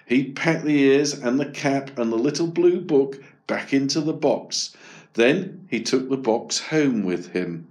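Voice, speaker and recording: A man narrating a children's story aloud. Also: mid-range voice. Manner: slow, expressive storytelling.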